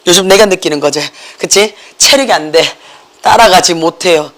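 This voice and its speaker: With a Gyeongsang accent and a tired, raspy voice of medium pitch, a middle-aged academy instructor addresses his class at normal speed. He keeps things lively with jokes, dropping English words into his Korean.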